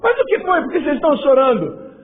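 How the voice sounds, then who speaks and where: A man playing a humble young recruit, earnest and pleading, in a high voice. It is a thin, phone-like recording that rings with long reverb. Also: big pitch swings, fast talker, slight background noise. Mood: bewildered.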